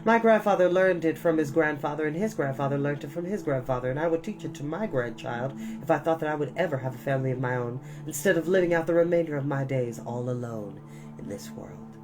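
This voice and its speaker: A woman reading a children's novel aloud as a storyteller, in a deliberate, dramatic, expressive style. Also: low voice.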